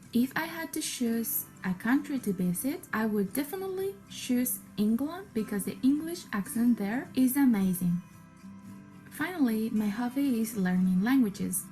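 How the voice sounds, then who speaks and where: Woman reading a language lesson over soft music, kinda high voice, careful slow examples. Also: rough recording. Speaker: English teacher in a video. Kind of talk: scripted lesson narration.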